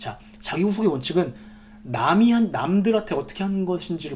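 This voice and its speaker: Against noticeable background noise, a man talks in an animated tone. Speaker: administrative law lecturer. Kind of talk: lecture. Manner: fast.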